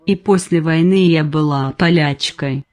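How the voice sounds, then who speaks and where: Very old woman, slow and plain. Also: deep voice, a little mellow. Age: 90s. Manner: short simple sentences, unhurried. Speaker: patient interviewee. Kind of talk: slow personal testimony.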